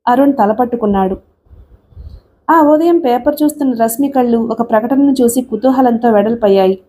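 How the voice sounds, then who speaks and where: Mellow-voiced woman narrating a story. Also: a little high, moderate pace, a little hiss or hum. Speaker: audiobook narrator.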